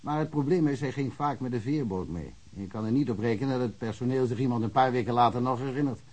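An actor playing a chatty, blunt male small-town police officer in a radio drama, with a husky voice. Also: mid-range voice, quick pace, darkish tone, natural voice. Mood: gossipy. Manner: talkative and blunt.

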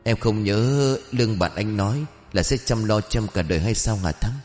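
A man's voice: lowish voice, moderate pace, a little mellow, roomy sound, in a large hall, faint music behind, lightly acted. A man voicing a possessed young village woman, speaking in an eerie, menacing voice that prophesies doom.

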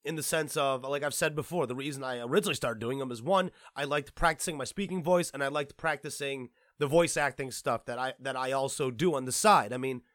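A man hosting a podcast, talking in a casual, rambling and excitable way, tripping over his words and swearing now and then. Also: mid-range voice, brisk, hardly any pauses, dry recording, studio quality. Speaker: podcast host and producer.

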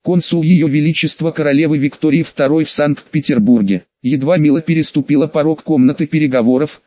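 A man reading a novel aloud as narrator, in a steady storytelling manner. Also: on the high side, brisk, dry recording. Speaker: audiobook narrator. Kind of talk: scripted narration. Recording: dull lo-fi dry recording.

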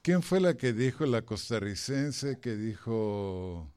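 A man's voice: lowish voice, big pitch swings, slow, noisy background. A man acting as master of ceremonies, teasing the crowd and introducing acts in a chatty way at a live event. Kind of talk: joking stage banter and introductions.

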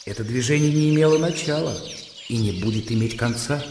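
A man's voice: mid-range voice, brisk, noisy background, natural voice. An actor playing a thoughtful, reserved man voicing inner thoughts in a radio drama. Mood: musing. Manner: reflective, quiet. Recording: roomy reverb with music underneath.

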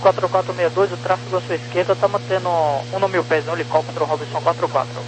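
A man's voice: high-pitched, flat delivery, fast. A Brazilian man working as an air traffic controller, giving clipped procedural instructions over crackly, military-sounding radio. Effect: aviation radio transmission. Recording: crackly radio with loud hum and static.

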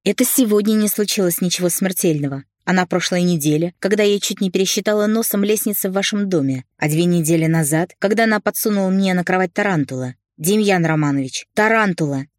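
A woman's voice: lowish voice, quick pace, few pauses, dry recording, studio quality, natural voice. A woman reading an audiobook, voicing an indignant sixty-year-old nanny who exclaims in exasperation. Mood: exasperated. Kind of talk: audiobook narration.

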